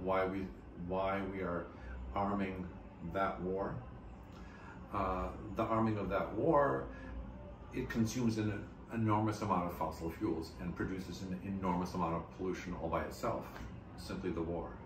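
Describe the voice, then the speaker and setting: A man speaks at a moderate pace with a very deep, low pitch, ordinary pitch variation, long, frequent pauses, and noticeable background noise. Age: 60s. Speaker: cellist and climate activist. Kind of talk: interview answer. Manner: hesitant, many fillers. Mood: earnest, concerned. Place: home room.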